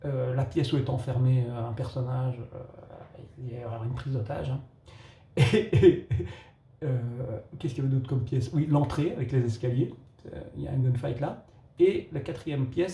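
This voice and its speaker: Gravelly, mellow man reviewing films. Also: medium pitch. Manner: halting, with many restarts and chuckles. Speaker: YouTube film reviewer. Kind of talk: casual spoken film review. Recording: echoey room.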